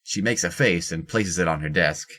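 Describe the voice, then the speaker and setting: A man's voice: deep voice, normal speed, pushed and bright. A man reading scripted narration for an audio drama.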